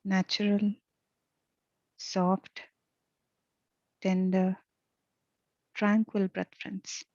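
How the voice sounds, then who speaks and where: A woman leading a guided meditation as a teacher, speaking softly and soothingly with long pauses. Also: mid-range voice, monotone, dry recording, muffled recording. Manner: soft, gentle, soothing delivery with long pauses.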